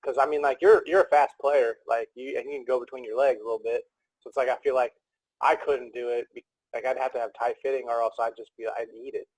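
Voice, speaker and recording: A man's voice: mid-range voice, steady tone, quick pace, a little mellow, no echo, rough recording. A man hosting a casual interview podcast, talking in an upbeat, chatty, joking way. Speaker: podcast host.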